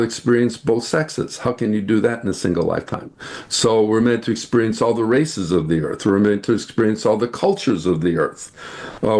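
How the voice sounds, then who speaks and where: A man with a fairly low voice talks about spiritual ideas in an interview. He explains earnestly and patiently, and he stretches out his key phrases. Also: a little mellow. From United States. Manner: earnest, explanatory, slows to stress points. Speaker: guest.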